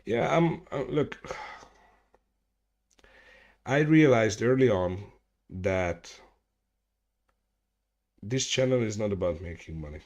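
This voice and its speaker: A man's voice: fairly low pitch, expressive, takes it slowly, long pauses, a little mellow, highs cut off. A man from Hungary, chatting casually with viewers on a livestream from home, rambling, restarting his sentences and swearing freely. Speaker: streamer hosting a chat hangout.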